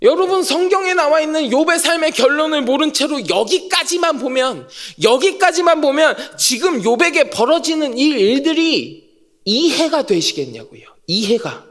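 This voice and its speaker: High-voiced, lively male pastor preaching. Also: moderate pace. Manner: emphatic, repeated rhetorical questions, swings from loud to hushed. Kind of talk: sermon. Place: church sanctuary. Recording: long reverb of a church hall.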